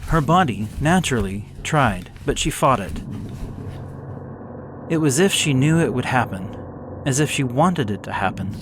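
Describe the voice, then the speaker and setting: A man slowly reading a gothic horror story aloud in a measured, somber way. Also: mid-range voice, lively intonation. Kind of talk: scripted horror narration. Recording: hissy background noise.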